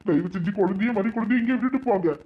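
A man voicing an older father-in-law with a southern Tamil Nadu accent, gruff and weary. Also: high-pitched, fast talker, very noisy, close to an everyday voice. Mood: pleading. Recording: dull lo-fi sound.

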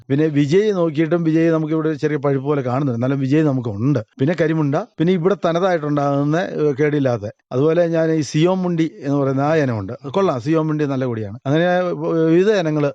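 A middle-aged farmer from Kerala, answering interview questions in a plain, casual way and pausing to search for words. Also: male voice, on the high side, dark tone, no room sound. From Kerala, India. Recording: dull lo-fi radio recording.

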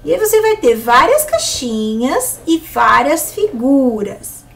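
Animated Brazilian woman teaching teachers. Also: takes it slowly. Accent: Brazilian Portuguese. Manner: clear explanatory pace with lively pitch swings. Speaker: teacher giving an online course. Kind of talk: instructional lesson for educators.

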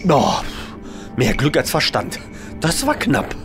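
A man's voice: medium pitch, wildly swooping pitch, slow, over music, exaggerated voice. A man playing an irritable, blustering spaceship captain who speaks in exclamations in a comedy radio play. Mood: dismayed.

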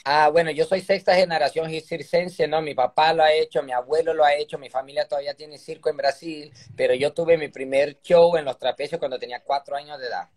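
A man's voice: on the high side, steady tone, a little fast, hardly any pauses, darkish tone. A man in his thirties with a Brazilian Portuguese accent, chatting cheerfully as a guest on a phone video call from his room at home. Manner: cheerful, chatty, keeps asking "me entiendes?". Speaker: guest, circus performer. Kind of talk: casual live-stream interview.

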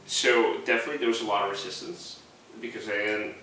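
Deep-voiced man, Spanish-native, echoey room. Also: quick pace, pushed and bright, slight background noise. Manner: earnest, motivational, many fillers. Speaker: podcast guest. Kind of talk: casual podcast chat. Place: living room with couch. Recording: echoey room, mic far off.

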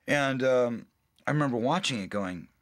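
A man, an actor looking back on making a film in a relaxed interview, chatty and quick to laugh, acting out what others said. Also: medium pitch, no echo. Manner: chatty, laughs often, acts out quoted people.

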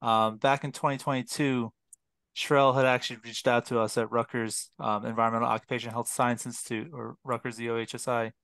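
A young man on a video call explains his research through a headset, careful and detailed, often pausing on fillers. His voice is bright and crisp. The sound is dry and close. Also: medium pitch, flat delivery, no room sound. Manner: detailed, precise, many fillers and restarts. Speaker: public health PhD student, guest. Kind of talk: explanatory interview talk.

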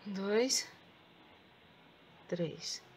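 A woman with a Brazilian Portuguese accent teaching crochet step by step. She speaks softly with a sore throat and counts stitches aloud. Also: mid-range voice, drawn-out words, slight background noise. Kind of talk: step-by-step craft tutorial.

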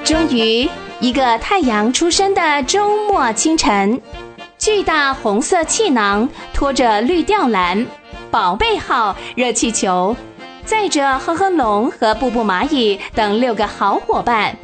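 A woman narrating a children's radio drama with expressive, vivid storytelling. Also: high-pitched, slow pace, soft background music, heavily acted.

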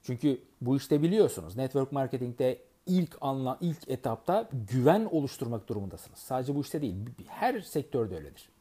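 A man with a mellow, warm voice speaks to his audience as a network marketing trainer. He talks in an earnest, advising way at a middle pitch. He often pauses with fillers and starts words over. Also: husky. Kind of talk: advice monologue to an audience.

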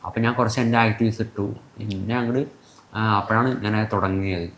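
A man's voice: on the low side, steady tone, fairly quick, fairly bright tone. A nineteen-year-old man, a vlogger answering interview questions in rambling, self-correcting sentences with many fillers. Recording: echoey room with faint background noise.

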